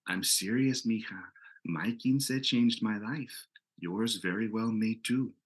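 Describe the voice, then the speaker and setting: A man's voice: fairly low pitch, slow. A man reading the part of a loving, earnest Latina grandmother in a comic reading, affectionate and advising. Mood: fond, earnest.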